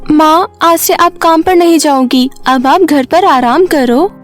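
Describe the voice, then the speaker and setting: Woman voicing a high-pitched, caring grown-up daughter. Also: slow pace, soft background music. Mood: concerned. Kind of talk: Hindi cartoon story acting.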